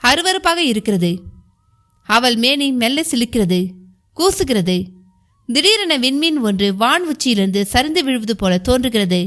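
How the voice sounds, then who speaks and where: A woman narrating a historical novel as an audiobook, in a measured storytelling manner. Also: on the high side, big pitch swings, fairly bright tone.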